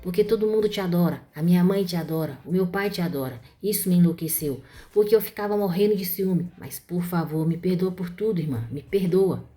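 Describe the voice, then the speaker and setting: A woman's voice: on the low side, brisk, few pauses, warm tone, lightly acted. A woman voicing a young woman who confesses and begs her sister's forgiveness, in a pleading tone. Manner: pleading, remorseful.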